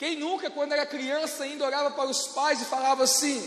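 An extremely high-pitched man at a fairly quick pace, with fairly even intonation and noticeable background noise. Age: 30s. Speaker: pastor. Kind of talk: sermon.

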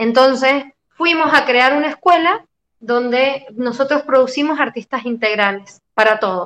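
A woman speaks at a fairly slow pace in a high voice with ordinary pitch variation. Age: 50s. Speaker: event producer and scriptwriter. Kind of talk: casual chat.

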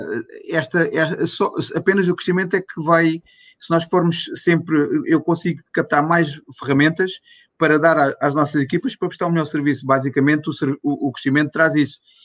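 A man speaks at a moderate pace with fairly even intonation. The sound is dry and close, with no echo. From Portugal, Algarve (Faro). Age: 40s. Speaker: business owner. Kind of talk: interview. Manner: halting, many repeated words.

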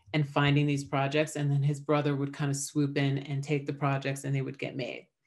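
With an American accent, a woman talks in a very deep, low voice. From New York, Long Island. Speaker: meditation teacher and author. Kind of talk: interview.

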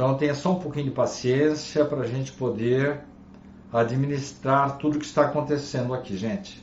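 Audible room echo around a man's somewhat breathy voice, fairly high in pitch. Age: 70s. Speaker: spiritist speaker and show host. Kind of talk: live Q&A program. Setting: broadcasting alone from home.

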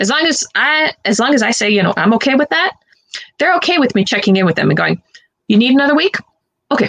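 Speaking very fast with long, frequent pauses, a woman with a high pitch and a Pacific Northwest accent swings very widely in pitch while her loudness stays very even, in a dry, close sound with no echo. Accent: General American, Pacific Northwest. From US Pacific Northwest (Washington State). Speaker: podcast guest discussing personality types. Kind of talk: casual interview chat.

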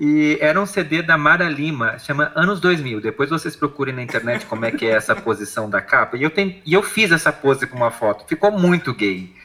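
A man's fairly high voice with lively intonation and hardly any pauses, over noticeable background noise. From Blumenau, Santa Catarina, Brazil. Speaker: podcast host. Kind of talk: casual chat. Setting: remote online call.

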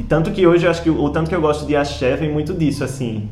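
A man at a fairly quick pace with ordinary pitch variation, amid noticeable background noise and audible room echo. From Brazil, Maceió (Alagoas). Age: 20s. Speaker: podcast co-host, advertising professional. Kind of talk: casual chat.

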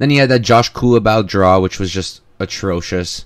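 An unremarkable speaking voice belongs to this male speaker. His pace is moderate, and his pitch varies in an ordinary way. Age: 20s. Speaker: podcast host, MMA fight analyst. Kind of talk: solo podcast, fight breakdown and betting picks. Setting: home recording, livestream with chat. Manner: casual, with filler words and self-corrections.

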